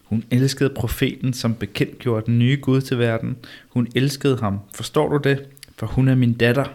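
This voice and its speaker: A man reading the part of the old prophet Elijah in a measured, insistent way, during an amateur read-through. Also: mid-range voice, steady tone, a little mellow, natural voice. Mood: solemn. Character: old male prophet Elijah, calm and solemn.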